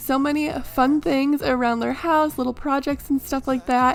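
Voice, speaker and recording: An animated woman's voice, high in pitch, at a moderate pace over noticeable background noise. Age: 20s. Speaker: lifestyle vlogger, stay-at-home mom. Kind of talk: casual vlog voiceover.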